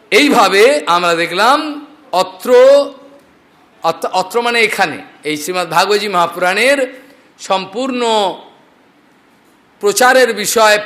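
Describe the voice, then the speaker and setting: A man's voice: sits high, a bit bright. An older man giving a devotional discourse on scripture, explaining verses and asking and answering his own questions. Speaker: preacher.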